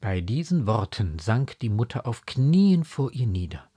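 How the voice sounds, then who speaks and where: A male audiobook reader narrates a classic literary text with measured, deliberate phrasing. His mid-pitched voice moves through lively, expressive melody, and he takes his time over every line. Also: breathy edge. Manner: measured, falling phrase ends.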